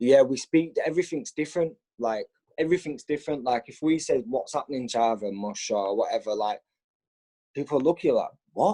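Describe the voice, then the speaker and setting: With a northern English accent, a man talks at a fairly quick pace, with a fairly high pitch and lively intonation. His dark, mellow tone comes through in a dry, close sound with no echo. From northern England, Bradford. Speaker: music artist. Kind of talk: casual chat. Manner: halting.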